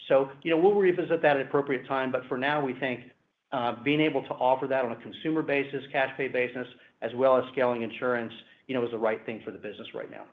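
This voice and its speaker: A man speaking as a company executive, giving measured, hedging answers on an earnings call. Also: medium pitch, fairly even intonation. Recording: roomy, phone-like conference call line.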